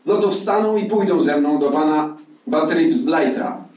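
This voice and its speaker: An actor reading aloud and voicing a pompous German factory guard who talks with mocking Prussian irony. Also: male voice, a little high, a little slow, a little mellow, voice pushed up, close to an everyday voice. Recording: echoey hall from far off.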